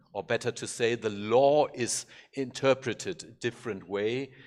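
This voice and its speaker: A man with a German accent and ordinary pitch variation, on a very clean recording with a silent background. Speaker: law professor. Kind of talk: panel discussion. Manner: halting, many fillers.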